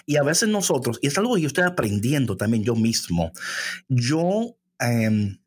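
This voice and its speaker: Husky, expressive man preaching on a podcast. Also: mid-range voice, normal speed. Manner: expressive, preacherly, mixes in English phrases. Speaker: podcast co-host. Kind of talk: faith podcast conversation.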